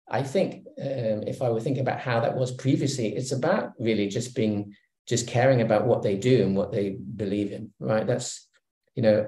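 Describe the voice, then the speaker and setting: A middle-aged man talks over a video call from a room with plenty of echo. His voice sits fairly low and has a mellow, dark tone. He muses aloud, restarting sentences and filling pauses with "um.". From Hong Kong. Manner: relaxed, reflective, many fillers and restarts. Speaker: guest executive. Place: home room. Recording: roomy video call audio.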